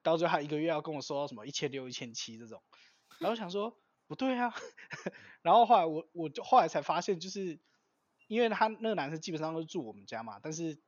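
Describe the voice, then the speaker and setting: A man's voice: on the high side, quick pace, no echo. Man chatting loosely on dry, dull audio. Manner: relaxed, rambling storytelling with many fillers. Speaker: podcast co-host. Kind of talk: casual chat.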